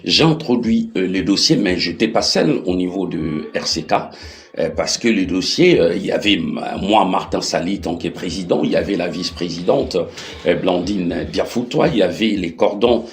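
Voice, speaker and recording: A middle-aged male interview guest with a Congolese accent. His voice sits low and deep. He explains things conversationally, with halting phrases that he often restarts and repeats. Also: expressive, slight background noise. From Democratic Republic of the Congo. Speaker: interview guest, political activist.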